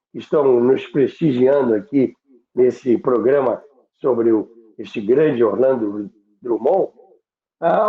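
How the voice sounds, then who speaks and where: Male Brazilian radio-history host, unhurried and reminiscing, on a thin, roomy phone-like connection. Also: on the high side. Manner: halting, repeats words for emphasis. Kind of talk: reminiscing in conversation.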